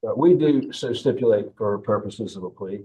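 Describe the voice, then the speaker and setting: A man's voice: lowish voice, normal speed, mellow, low-quality recording. Hesitant male defense attorney. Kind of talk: formal courtroom argument.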